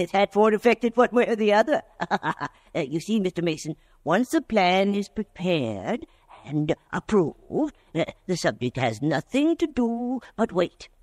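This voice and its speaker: An actor playing a polite, smug agent of retribution in a radio drama, fussy and hesitant in manner. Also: male voice, sits high, sing-song, unhurried, few pauses, no echo, studio quality, exaggerated voice. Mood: smugly amused. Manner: hesitant, fussy, courteous, chuckling menace. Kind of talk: old-time radio drama acting.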